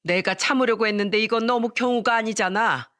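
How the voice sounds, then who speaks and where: A woman's voice: on the high side, a little fast, a bit bright, no room sound, clean studio sound, close to an everyday voice. A woman voicing a stern, reproachful older mother-in-law in a story reading.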